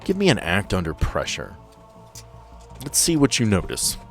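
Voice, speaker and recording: A man's voice: on the low side, wildly swooping pitch, normal speed, faint music behind. A man acting as game master, improvising narration for a tabletop roleplaying game.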